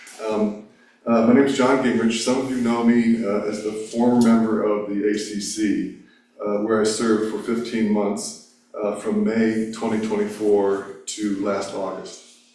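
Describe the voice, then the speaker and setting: Audible room echo around a man's fairly low pitch, with monotone, flat intonation. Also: moderate pace. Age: 60s. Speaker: board seat applicant. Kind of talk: prepared opening statement at board meeting interview. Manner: halting, many fillers.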